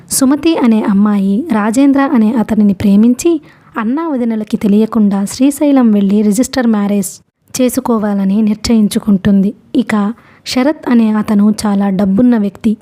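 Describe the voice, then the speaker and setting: A woman's voice: medium pitch, warm tone. A young adult woman, host of the channel, narrating a novel as an audiobook storyteller and voicing the characters in her own voice.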